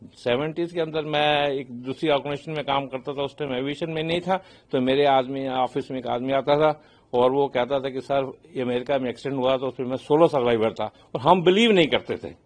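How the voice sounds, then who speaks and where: Older male expert, Indian accent, medium pitch, halting explanatory interview delivery peppered with English phrases. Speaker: aviation expert guest. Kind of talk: spoken interview commentary, explaining.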